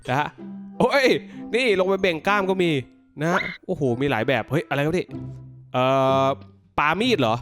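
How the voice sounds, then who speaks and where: Guy doing excited game commentary, really high voice, lots of exclaiming, music playing behind him. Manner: exclamatory, reacting aloud to the action. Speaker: gaming video host.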